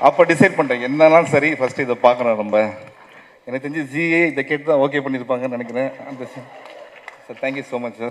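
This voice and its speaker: The speaker is a man. His pitch is fairly high. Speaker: actor. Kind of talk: event stage speech. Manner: humorous, joking. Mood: jovial, joking. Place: hall.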